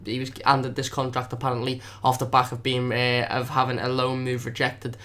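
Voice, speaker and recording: A man's voice: mid-range voice, completely flat delivery, fairly bright tone. A young man hosting a casual live stream as a fan channel host, rambling with lots of fillers, feeling slightly under the weather. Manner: fast, rambling, filler-heavy.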